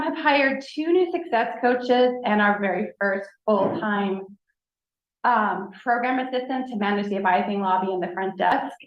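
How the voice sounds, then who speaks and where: A woman who directs a college advising office, presenting new staff at a board meeting in an upbeat, enthusiastic way. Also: mid-range voice. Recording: echoey room, dull lo-fi sound.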